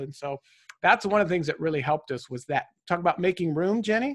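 Recorded with a dry, close sound and no echo, a man speaks in an animated tone at a high pitch with ordinary variation. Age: 40s. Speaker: author and speaker. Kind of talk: casual chat. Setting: live stream.

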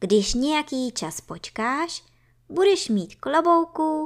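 Over a very clean recording with a silent background, a woman talks at a very slow pace in a gentle, soothing tone with very wide pitch swings. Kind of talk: fairy-tale narration, bedtime story read aloud. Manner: gentle, soothing, storyteller's pace.

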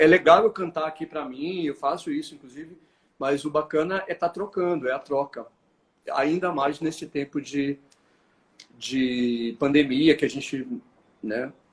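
A man with a fairly high voice talks at a moderate pace, with ordinary pitch variation and long, frequent pauses. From Bahia, Brazil (Salvador). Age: 50s. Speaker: musician and marketing executive. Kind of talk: interview conversation.

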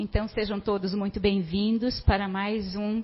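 A woman's medium-pitched, somewhat breathy voice with monotone, flat intonation. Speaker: event organizer and host. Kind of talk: welcome and prayer. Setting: live in-person event with online audience.

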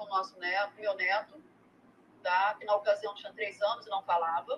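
This woman's voice is pitched in the middle. The variation in her pitch is ordinary. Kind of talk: testimony. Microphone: poor connection.

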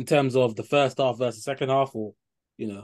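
A man with a London accent talks at a moderate pace. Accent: London multicultural English. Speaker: podcast host. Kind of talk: casual banter.

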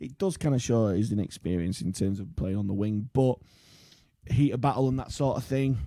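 A man with a British accent, medium pitch, a dark, mellow tone, lively intonation and a fairly quick pace. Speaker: podcast host. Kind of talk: live-streamed sports chat. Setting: live stream. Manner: rambling, repeats words.

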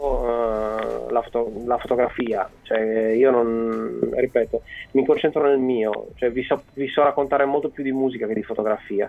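Over music in the background, a man with a medium pitch speaks at a fairly slow pace with fairly even intonation. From Sardinia, Macomer. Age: 40s. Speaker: photographer. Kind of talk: interview. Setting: live stream. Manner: halting.

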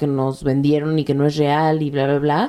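The voice has a dark, mellow tone. It carries a Mexican accent. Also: woman. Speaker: podcast co-host. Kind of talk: casual chat.

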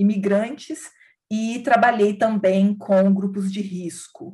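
A woman talks in a somewhat breathy voice that shows ordinary pitch variation. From Brazil, Rio de Janeiro. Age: 30s. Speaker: missionary. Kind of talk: casual chat.

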